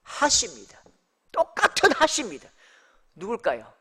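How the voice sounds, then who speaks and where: Animated pastor with a Daegu accent. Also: male voice, extremely high pitch, normal speed, husky. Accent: Daegu dialect. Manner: animated and emphatic, addressing the congregation. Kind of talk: sermon.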